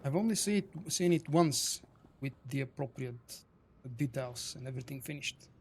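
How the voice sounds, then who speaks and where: A man's voice: medium pitch, normal speed, slight background noise. A man from Bulgaria with a Bulgarian accent, casually chatting with viewers while streaming a game. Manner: relaxed, rambling, answers chat between fights. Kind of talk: live gameplay commentary, chatting with viewers.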